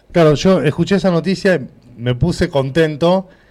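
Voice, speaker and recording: A man speaks with a Rioplatense accent at a moderate pace. His tone is dark and mellow. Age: 40s. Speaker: radio host. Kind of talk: casual radio talk.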